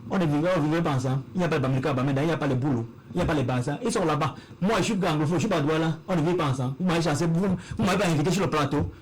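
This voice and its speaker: A man from Cameroon, a guest in a heated TV panel debate, arguing forcefully and repeating himself for emphasis. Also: on the high side, very fast, hardly any pauses, poor audio.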